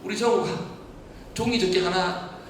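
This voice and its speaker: A man with a high voice preaches a sermon at normal speed and with fairly even intonation, repeatedly questioning his congregation. The church hall echoes, his voice comes from a distance, and slight background noise can be heard.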